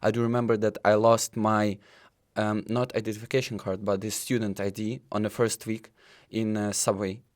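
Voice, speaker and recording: A man's voice: fairly low pitch, little pitch movement, moderate pace. A young man from Ukraine, a Ukrainian native speaker and student, answering interview questions earnestly in fairly fluent English. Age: young adult.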